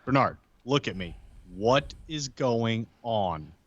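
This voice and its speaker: A man playing a blunt, steady undead character in a tabletop game, talking plainly and reassuringly. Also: medium pitch, slow pace, no room sound, muffled recording. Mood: firm.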